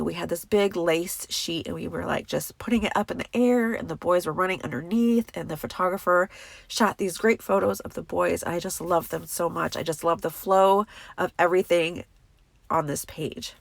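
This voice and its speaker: A woman in her thirties talks through a craft project in a relaxed, chatty voice-over. Her voice is congested and stuffy, a little on the low side, and the close recording is very dry with no room sound. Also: creaky, no echo. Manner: chatty and enthusiastic, many fillers. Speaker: crafting tutorial host. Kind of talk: casual voice-over craft tutorial.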